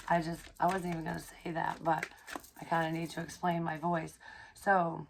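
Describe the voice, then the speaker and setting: A hoarse young woman, chatting casually in a rambling psychic vlog, swearing freely and filling pauses with ums. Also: low voice, level tone, slight background noise. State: hoarse, recovering from illness. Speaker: psychic medium vlogger.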